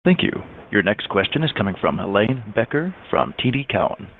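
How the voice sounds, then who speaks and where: A man with a low voice and lively pitch movement gives scripted operator announcements. The audio is phone-like, with faint noise. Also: fairly quick. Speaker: conference call operator. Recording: noisy, narrow phone-line audio.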